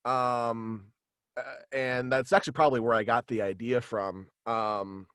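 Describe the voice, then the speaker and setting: A young man chatting casually as an interview guest, halting and rambling as he explains, on a close studio mic. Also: mid-range voice, steady tone, a bit bright, clear, resonant tone, no room sound. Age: young adult. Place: small indoor room with acoustic padding, video call. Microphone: close studio mic, headphones.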